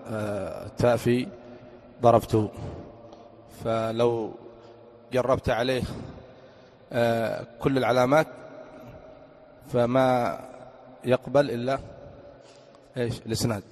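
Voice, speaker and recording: A male religious teacher giving an Arabic grammar lesson, often quizzing his listeners with quick questions. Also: medium pitch, flat delivery, darkish tone. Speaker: Islamic teacher. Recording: long echoing reverb.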